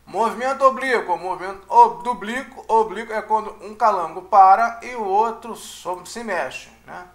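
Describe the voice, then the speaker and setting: A man's voice: sits high, moderate pace, hardly any pauses, roomy sound. A man with a Brazilian Portuguese accent giving a casual music lecture, often checking in with his listeners. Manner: chatty, checks in with "né?" and "tá?". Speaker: music teacher.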